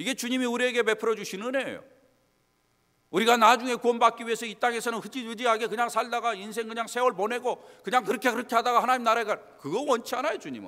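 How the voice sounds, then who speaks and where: Speaking very fast in a raised, projected voice, the man sounds extremely high-pitched with a bright, sharp tone. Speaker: pastor. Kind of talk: sermon. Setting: church. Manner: animated.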